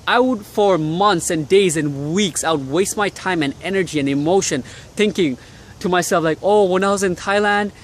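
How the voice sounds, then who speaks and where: A young Bangladeshi vlogger shoots a casual motivational video out in the cold city air, blunt-spoken and swearing freely. His voice is slightly higher than most men's, and faint traffic hums in the background.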